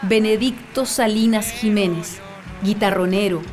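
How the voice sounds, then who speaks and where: An actress voicing a young daughter who remembers her late folk-singer father in a gentle, reflective radio play voice. Her pitch sits in a middle range. Music plays steadily beneath her lines. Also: unhurried, lightly acted. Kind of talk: radio drama acting. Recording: music playing under the voice.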